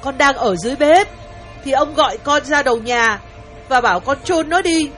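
A man's voice: very high voice, lively intonation, moderate pace, pushed and bright, faint music behind, pitched above the performer's own voice, exaggerated voice. A man voicing a young female household servant who speaks politely and hesitantly, fretting to her mistress. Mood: deferential.

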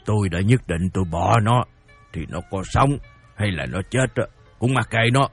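A man playing a stern, grudging old father in a radio drama, with a gruff, dismissive way of talking. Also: on the low side, expressive, moderate pace, soft background music, exaggerated voice. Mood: stubborn. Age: older.

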